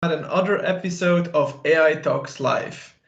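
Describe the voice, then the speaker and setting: A man hosting a live online talk, introducing the guest in an informal, halting way. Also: on the high side, gravelly. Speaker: host. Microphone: video call. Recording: roomy, dull online call audio.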